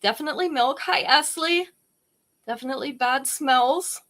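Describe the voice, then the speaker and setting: A woman's voice: high voice, normal speed, a bit bright. Chatty woman hosting a live jewelry sale. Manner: chatty, greets viewers by name. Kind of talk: casual live-stream sales chat.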